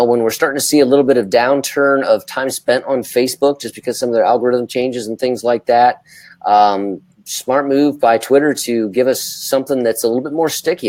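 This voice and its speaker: A man talks as a co-host in a casual panel discussion, with a very dry sound free of room. His delivery is halting, and he doubles back on words as he works through a point. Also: medium pitch, darkish tone, no echo. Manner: halting, repeats words as he goes. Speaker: talk show co-host.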